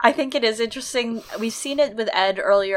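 A natural voice reading out loud, its pitch varying ordinarily

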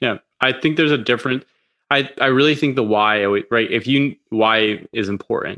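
Here is a man with an American accent and an unremarkable speaking voice. He talks at a moderate pace with ordinary pitch variation. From US Northeast, New Jersey. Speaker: healthcare worker and health researcher. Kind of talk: casual chat.

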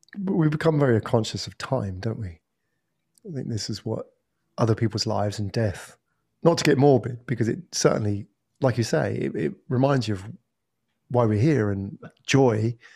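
A man with an English accent speaks at a moderate pace in a dark, mellow, somewhat breathy voice of medium pitch, with lively intonation and long, frequent pauses. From England. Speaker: entrepreneur. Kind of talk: interview. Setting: remote call.

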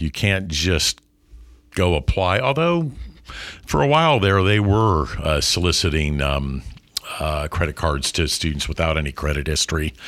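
A man's very deep, low voice at a fairly slow pace, with noticeable background noise. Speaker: college finance executive. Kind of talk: interview.

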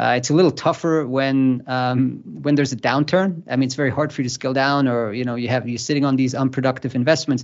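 Talking at a very fast pace with hardly any pauses, a man with a German accent keeps a fairly even intonation. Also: medium pitch for a man. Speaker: media company founder and industry analyst. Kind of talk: casual interview.

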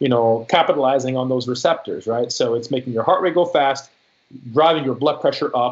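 At a fairly quick pace, a man with an ordinary speaking voice talks at medium pitch with ordinary pitch variation. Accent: American. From New Jersey. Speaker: interventional cardiologist. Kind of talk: casual interview.

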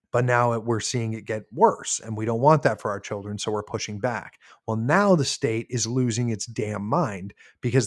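This man has a normal speaking voice at medium pitch with fairly even intonation. He talks at a moderate pace on a very clean recording with a silent background. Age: 30s. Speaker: political podcast host. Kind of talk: solo political commentary. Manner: casual with many filler words.

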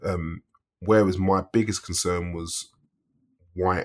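A man speaks at a fairly slow pace in a very deep, low voice with ordinary pitch variation, recorded very cleanly against a silent background. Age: 40s. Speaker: charity founder, youth violence campaigner. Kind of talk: interview.

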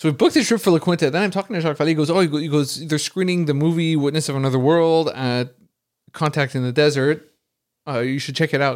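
Fairly high-pitched, a man talks at a very fast pace. The recording is very clean, the background silent. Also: ordinary pitch variation. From Quebec, Montreal. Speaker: journalist and drummer. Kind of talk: casual chat.

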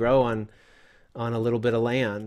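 Against a quiet background, a man with an American accent speaks at a moderate pace and medium pitch in a normal speaking voice. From US, Pittsburgh suburbs. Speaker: pastor and urban farm director. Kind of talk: interview conversation.

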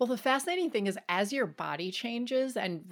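A woman with an American accent and an unremarkable speaking voice, lively intonation and a moderate pace, in a very clean recording with a silent background. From US Midwest (suburban Milwaukee, Wisconsin). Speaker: diversity and inclusion director, former lawyer. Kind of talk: casual interview chat.

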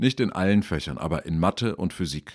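A man's unremarkable speaking voice with lively intonation at a moderate pace, in a dry, close sound with no echo on a very clean recording with a silent background. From Lower Franconia, Germany (Rottendorf near Würzburg). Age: middle-aged. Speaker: podcaster. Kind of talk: scripted narration.

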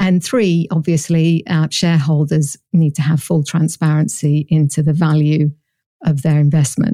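A woman's very deep, low voice with a dark, mellow tone, fairly even intonation, very even loudness and a moderate pace. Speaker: podcast host. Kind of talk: interview conversation.

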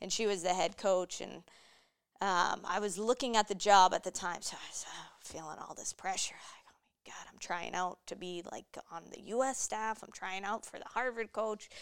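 A woman with an American accent has a normal speaking voice at medium pitch and moderate pace, with fairly even intonation and big swings in loudness. The recording is very clean with a silent background. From Massachusetts (Mansfield, near Boston). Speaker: college hockey coach. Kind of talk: casual interview.

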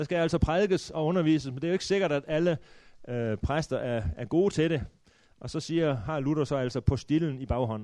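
The speaker is a man with fairly high pitch. His pitch varies in an ordinary way. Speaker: retired pastor and lecturer. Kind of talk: lecture. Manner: halting.

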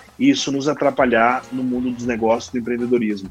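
Music in the background behind a man's medium-pitched voice, moderate in pace. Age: 30s. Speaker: startup founder and CEO. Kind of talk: casual interview. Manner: halting, repeats words.

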